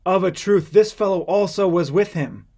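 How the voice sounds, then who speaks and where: A man's voice: sits high, moderate pace, a little mellow, voice pushed up. A man voicing an accusing servant in a scripture audiobook, pointed and insistent. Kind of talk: dramatized scripture audiobook reading.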